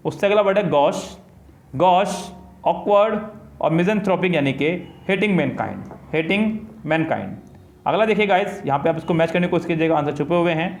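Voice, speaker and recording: A man teaching a vocabulary lesson in Hindi. He reads English passages slowly and says each word twice. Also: on the high side. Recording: echoey room.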